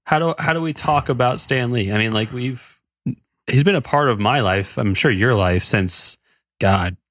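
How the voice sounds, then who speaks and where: This podcast co-host is a man with a mid-range, slightly bright voice and a moderate pace, recorded dry with clean studio sound. He chats casually and loosely, swearing, rambling, and restarting often.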